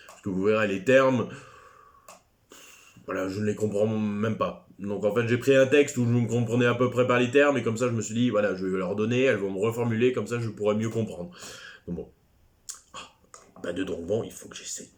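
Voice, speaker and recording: A man teaching a recorded French class lesson, chatty and digressive, with self-deprecating asides. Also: lowish voice.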